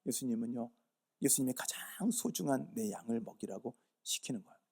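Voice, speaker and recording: A man's voice: medium pitch, lively intonation, a little fast, creaky, a little mellow, breathy edge. A pastor from Yeosu in South Korea, preaching a sermon at a church service. He earnestly urges the congregation and answers his own rhetorical questions. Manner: earnest, urging.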